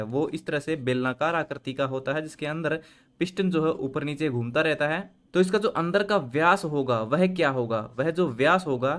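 A man hosting a screen-share lesson, reading each multiple-choice question aloud and then explaining the answer step by step. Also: a little high. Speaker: channel host and tutor. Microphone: voice-over on screen recording.

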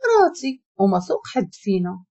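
A woman's voice: mid-range voice, wildly swooping pitch, fairly quick, a little mellow. A woman voicing a possessive Moroccan husband. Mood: curt. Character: young husband, possessive and stubborn. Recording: dull lo-fi recording.

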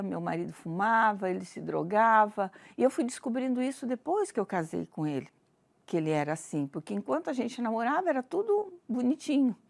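A woman's voice: medium pitch, vocal fry, a little mellow. A middle-aged woman with a Brazilian accent giving an earnest, emotional personal religious testimony. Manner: earnest, confessional, emotional storytelling. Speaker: church member giving testimony.

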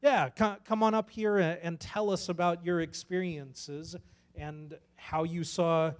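A man preaches from a church stage, talking earnestly and casually into a handheld mic. His voice sits a little high for a man, and he often restarts his words. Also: fairly even intonation, a little slow. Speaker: pastor. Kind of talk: sermon.

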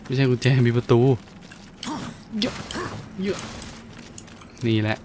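A man giving casual let's-play commentary in an animated, exclamatory way, with playful muttering. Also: mid-range voice, takes it slowly, a little hiss or hum. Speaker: gameplay commentator. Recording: game music behind the voice. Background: video game music.

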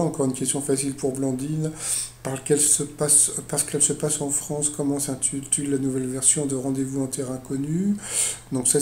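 A man's voice: mid-range voice, mellow, roomy sound, a little hiss or hum. A man casually recapping a TV quiz show, rambling with lots of fillers and restarts and chatty asides.

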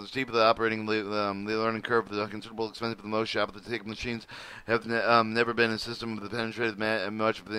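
A man's voice: lowish voice, sharp tone, clear, resonant tone. A man reading a welding manual aloud at his computer, stumbling over words and restarting often. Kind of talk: halting read-aloud of a manual. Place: at a computer, screen recording.

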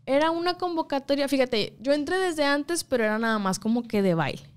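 A woman's voice: high-pitched, brisk. A young woman from Mexico, chatting as an interview guest and telling stories with slang and frequent laughter. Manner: animated storytelling, laughs often, slangy. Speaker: guest singer. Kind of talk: casual interview chat.

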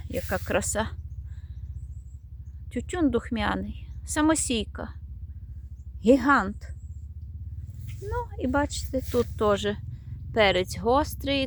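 A woman with a fairly high voice wanders her garden outdoors for a casual vlog, speaking fondly about the plants and pausing at times to search for their names. A little hiss or hum runs under the audio.

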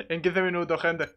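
A man from Spain chatting casually as a gaming streamer. His voice is bright and forceful at a medium pitch. He is jokey and excitable with his group. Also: dull audio. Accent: Spanish, from Spain. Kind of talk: casual gamer banter in voice chat.

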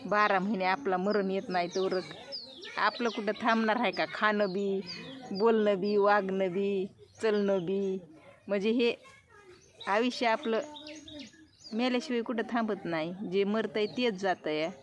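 A woman's voice: medium pitch, steady tone, unhurried, a little hiss or hum. A middle-aged woman chatting casually to her viewers in a village vlog, checking in with "hm?" and "haan?" as she talks. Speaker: village vlogger. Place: outdoors in a village.

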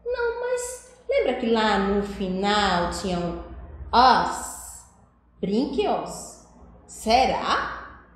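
A woman's voice: mid-range voice, big pitch swings, extremely slow. A Brazilian woman teaching young children in a video lesson, coaxing and sing-song, full of questions. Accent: Brazilian Portuguese. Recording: very echoey room, faint noise.

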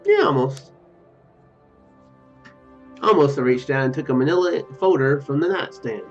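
In a mid-range voice at a moderate pace, a young man streams a let's play from home, reading game text aloud and commenting hesitantly, rambling into trailing asides. Game music sits behind the dull, lo-fi mic audio.

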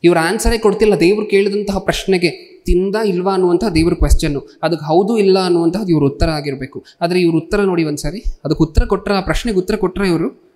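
A man delivers a sermon in a slightly high voice. He keeps turning to his listeners with rhetorical questions and slows down to read scripture aloud. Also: darkish tone. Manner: reads scripture slowly. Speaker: preacher.

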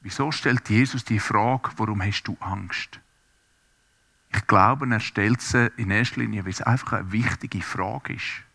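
A man's voice: on the low side, moderate pace, gravelly, hardly any pauses, sharp tone. A man preaching a sermon, speaking earnestly and directly to his listeners. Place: church service, also streamed to homes.

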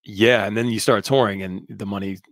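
A laid-back man in his thirties hosts a casual chat from his home studio. His voice sits very low. He is close on a studio mic with a dry sound. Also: fairly even intonation, a little fast, dry recording. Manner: laid-back, reads viewer comments aloud. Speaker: podcast host. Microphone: studio mic on boom.

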